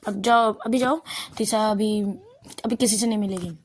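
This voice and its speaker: A woman's voice: mid-range voice, fairly even intonation, normal speed, a little hiss or hum, natural voice. A woman voicing a rude, irritable young woman who guards a door and snaps at a visitor. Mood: irritated. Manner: snappish, dismissive.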